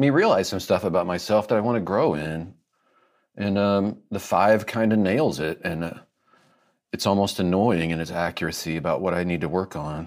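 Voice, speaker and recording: A man with an American accent and a very deep, low pitch, at a moderate pace with ordinary pitch variation, on a very clean recording with a silent background. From Central Illinois. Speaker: radio host and author. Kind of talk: casual interview chat.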